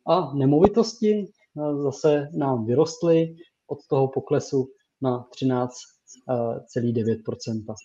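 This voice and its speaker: Man, financial adviser, very dark mellow voice, muffled lo-fi recording. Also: mid-range voice. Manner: measured, hesitant with fillers. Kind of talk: casual podcast talk.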